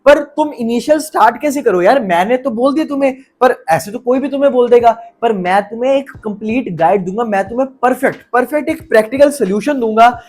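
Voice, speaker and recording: A young man giving energetic, emphatic motivational advice in a casual vlog, repeating words for stress and using slang. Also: extremely high pitch, fairly quick, hardly any pauses. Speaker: self-improvement YouTuber.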